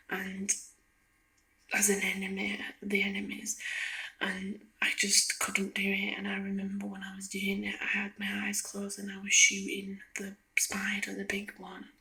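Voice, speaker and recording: A woman whispers a casual, meandering ASMR ramble. Her breathy voice is bright and sibilant, staying almost completely level in pitch. She talks hesitantly, in soft, loosely strung phrases. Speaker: ASMR video creator. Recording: lo-fi ASMR recording.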